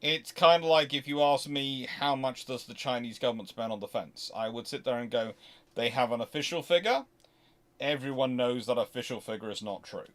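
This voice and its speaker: Male history stream host, mid-pitched, casual and unscripted, digressive, hesitant delivery with frequent self-corrections. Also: moderate pace. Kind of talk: casual unscripted question-and-answer talk.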